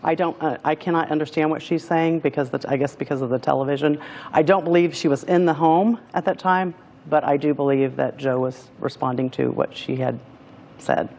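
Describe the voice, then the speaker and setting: A woman appearing as a guest on a talk show, telling her story in a hesitant, halting way. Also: low-pitched, fairly even intonation, creaky, darkish tone. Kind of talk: emotional personal testimony.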